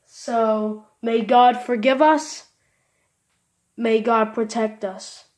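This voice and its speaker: Slow, solemn president, acted by a woman. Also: a little high, fairly even intonation, darkish tone. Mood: grave, pleading. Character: solemn, prayerful US president addressing an attacked nation.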